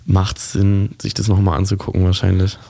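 A man's voice: low-pitched, monotone, moderate pace, creaky, dark tone, no room sound. A man hosting a casual radio talk show, rambling and correcting himself as he chats about literature, laughing often. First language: German.

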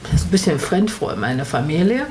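A woman with a Chinese accent, a native Chinese speaker, talking in an interview in halting speech, pausing to find words and correcting herself. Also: low voice, very animated, a little mellow, a little hiss or hum. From Taiwan. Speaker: interviewee, opera singer. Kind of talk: casual interview chat.

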